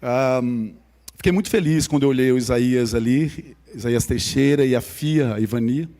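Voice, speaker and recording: A man's voice: medium pitch, normal speed, warm tone. A man from Maranhão in Brazil, with a local accent, tells his personal testimony to a church congregation in a conversational storytelling way. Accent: Maranhão Brazilian Portuguese. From São Luís, Maranhão, Brazil. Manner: conversational storyteller, speaks directly to the audience. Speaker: guest speaker at church.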